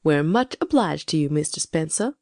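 A woman voicing a brisk, stern older farm wife who speaks crisply and icily. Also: medium pitch, animated, darkish tone, no echo, studio quality. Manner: crisp, icy, commanding. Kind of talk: audiobook character voice.

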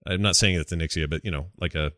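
A man's voice: low voice, fairly even intonation, fast talker, fairly bright tone, dry recording, studio quality. A man hosting a gaming podcast, talking casually and rambling through informal asides. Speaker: podcast host.

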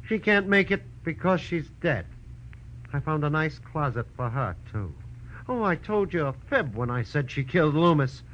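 Small-time crook: American, higher register, whiny and shifty, slangy; 1940s radio thriller, muffled recording. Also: male voice, big pitch swings, moderate pace, fairly bright tone. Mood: smug, menacing. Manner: whining, slangy gangster talk. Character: shifty, whining little male crook, paroled. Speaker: radio drama actor. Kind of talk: 1940s radio crime acting. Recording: dull old radio recording.

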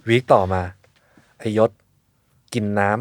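A man's voice: slow, no room sound. A man in a casual podcast chat, playfully telling on a friend in a mock-formal way.

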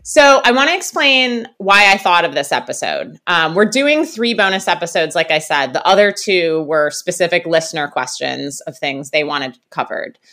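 A woman's voice: fairly low pitch, lively intonation, moderate pace, hardly any pauses, bright, forceful tone. A woman hosting a podcast interview, talking casually with lots of fillers and restarts. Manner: chatty, many fillers and restarts. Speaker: podcast host.

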